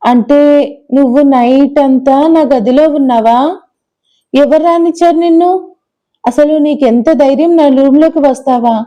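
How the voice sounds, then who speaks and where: A woman voicing a fiery young woman in an audio storybook, shouting indignantly. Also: high voice, fairly even intonation, a little slow, long pauses, dull audio. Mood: furious.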